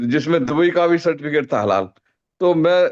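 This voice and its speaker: The man's voice is high-pitched. Its pitch varies in an ordinary way. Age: 70s. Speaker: network marketing leader. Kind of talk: testimony.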